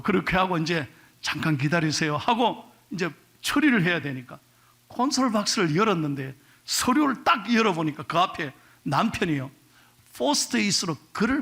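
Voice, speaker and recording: A middle-aged man preaching a sermon to his congregation, animated, dropping to a whisper for emphasis and acting out the voices he quotes. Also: sits high, vocal fry, slightly rough. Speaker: pastor.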